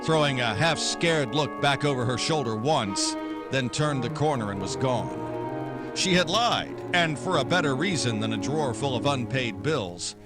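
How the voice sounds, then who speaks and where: An actor playing a hard-boiled American private detective in 1940s noir radio style, wry, clipped and dogged. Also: male voice, mid-range voice, expressive, a little slow, loud music behind the voice, close to an everyday voice. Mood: weary, brooding. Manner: wry, clipped, tough-talking. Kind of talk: 1940s noir radio drama acting and narration.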